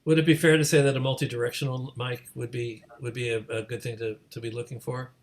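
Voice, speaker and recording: A man hosting a casual online group discussion, talking in a halting way and rephrasing his thoughts as he goes. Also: mid-range voice, little pitch movement. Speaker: host of an online community gathering. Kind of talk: casual moderated video-call discussion. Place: remote video call.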